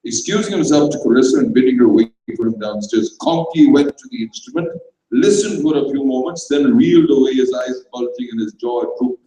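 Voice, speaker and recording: A man's voice: medium pitch, fairly quick, dark tone, far from the mic. Man narrating a story in a big echoey hall. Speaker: reader, narrator. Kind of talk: dramatized live reading. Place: stage at an arts festival.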